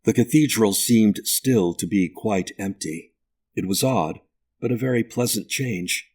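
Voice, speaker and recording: A man narrating a ghost story audiobook in a measured, deliberate way. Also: lowish voice, darkish tone, slightly rough.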